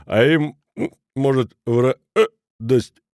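A man's voice: mid-range voice, very animated, slow, a little mellow, no echo, studio quality. A man doing a mumbling slurring drunk. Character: stupefied drunk man, hiccuping, limp.

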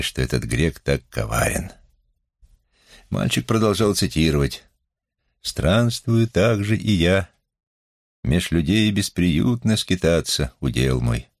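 A man with an extremely low, husky, gravelly voice reads a novel aloud. He narrates in a measured, expressive way, with a lively, wide-ranging melody. The recording is close and dry. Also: no room sound. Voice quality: husky, creaky. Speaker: audiobook narrator. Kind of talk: expressive literary audiobook reading.

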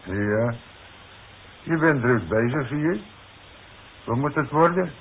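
A man's voice: medium pitch, expressive, slow, slightly rough, exaggerated voice. An actor playing a plain-spoken, worried demolition foreman in a 1960s radio play, talking in blunt, colloquial working-man's language. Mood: casual, probing. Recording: muffled, noisy 1960s radio recording.

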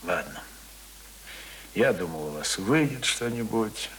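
A man's voice: on the low side, expressive, slow pace, fairly bright tone, low-quality recording. A man playing a plain-spoken, worried but kindly villager in a radio drama, muttering in colloquial rustic speech. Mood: resigned. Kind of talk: Soviet-style radio drama acting. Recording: hissy old radio play recording.

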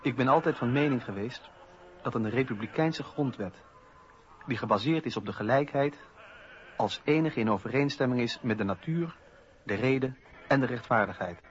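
A man playing a solemn, idealistic eighteenth-century revolutionary philosopher in a radio docudrama, speaking in measured, formal oratory. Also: medium pitch, lo-fi sound, natural voice. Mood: earnest conviction. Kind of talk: radio docudrama, oratorical reading of historical texts.

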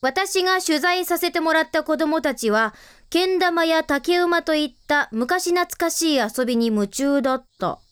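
A boisterous tomboy schoolgirl leader, high in pitch and theatrical. The breezy anime audio drama performance is recorded dry and close. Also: lively intonation, measured pace, a bit bright, dry recording, heavily acted. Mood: reading aloud. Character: bold tomboyish teenage club leader girl, boisterous.

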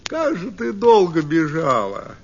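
A man voicing a calm, clever male burbot fish in a folk tale, speaking in a self-assured way. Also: a little high, unhurried, highs cut off, slight background noise, exaggerated voice.

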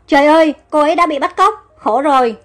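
A woman's voice: high-pitched, fairly even intonation, moderate pace, lightly acted. A woman voicing a young male fisherman who pleads in fear. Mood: dazed.

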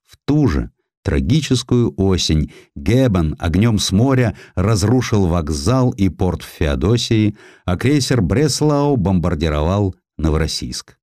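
Deep-voiced, animated male audiobook narrator. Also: unhurried, no echo, studio quality. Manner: expressive, theatrical storytelling. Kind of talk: dramatic scripted narration of historical essay.

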